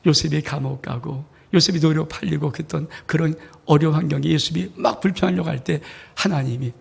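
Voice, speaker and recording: A man's voice: a little high, a little fast, gravelly, breathy edge. A male pastor preaching a sermon, pressing his point with rhetorical questions and acted-out quotes.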